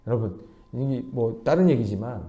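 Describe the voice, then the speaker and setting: Brief: male pastor, early morning sermon, lively swings of pitch, warm mellow tone, leads the congregation in reading verses. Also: moderate pace. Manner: animated, questions the congregation.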